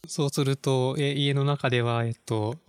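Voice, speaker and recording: A man's voice: mid-range voice, little pitch movement, moderate pace, smooth, dry recording. Man asking short follow-up questions, dry sound. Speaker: podcast co-host. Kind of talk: casual podcast interview.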